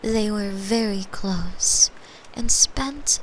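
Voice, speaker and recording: A woman playing a caring, playful young girlfriend in an intimate ASMR bedtime roleplay, gentle and soothing, sometimes slipping into whispers. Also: medium pitch, drawn-out words, slight background noise, poor audio. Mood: soft storytelling. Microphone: close microphone, made for headphones.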